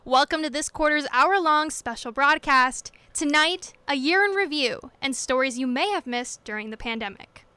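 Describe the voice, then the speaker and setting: A woman's voice: high-pitched, animated, moderate pace, hardly any pauses, bright, forceful tone, dry recording. A young woman presenting a scripted radio news broadcast as its host.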